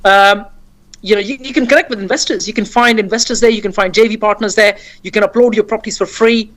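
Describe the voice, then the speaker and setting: A man's voice: high voice, fairly even intonation, fast talker, a bit bright. A man from Afghanistan, a property investor guest on a radio show, talking fluently and upbeat about his business. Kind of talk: casual interview.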